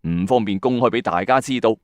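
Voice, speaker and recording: A man's voice: on the low side, fast, no echo. A man with a Hong Kong Cantonese accent narrates like a late-night ghost story host, colloquial and emphatic, speaking straight to listeners. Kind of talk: dramatic storytelling narration with commentary. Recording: dry voice-over with music underneath. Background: background music.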